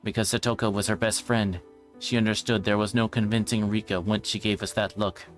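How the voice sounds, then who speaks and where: A man's voice: lowish voice, flat delivery, fairly quick, soft background music. A man reading a visual novel aloud as a livestreamer, now and then stumbling and rereading. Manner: stumbles over words and rereads them.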